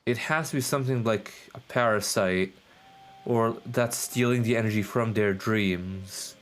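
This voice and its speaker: A man's voice: fairly low pitch, measured pace, fairly bright tone. A man chatting casually over gameplay as a streamer, musing aloud and circling back over phrases. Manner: musing, repeats phrases, hesitant. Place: live stream with game audio behind.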